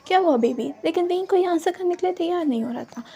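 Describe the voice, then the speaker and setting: A woman narrates her own fan-fiction story in an animated, casual way. Her voice sits high and light. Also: quick pace. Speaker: fanfiction storyteller.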